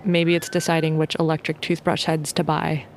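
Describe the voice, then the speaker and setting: A woman's voice: low-pitched, little pitch movement, normal speed, slight background noise. A woman leading a guided sleep meditation in an informal, playful and soothing way.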